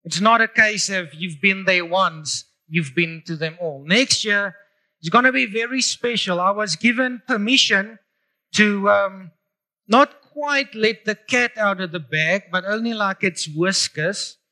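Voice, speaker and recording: A middle-aged South African preacher with a high, bright, forward voice. He speaks slowly and deliberately, drawing out his phrases. His South African English accent colours a warm-hearted sermon that moves between prayer and easy chat. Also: rough recording. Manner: prayerful, then chatty and upbeat to the congregation. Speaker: pastor. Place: church hall.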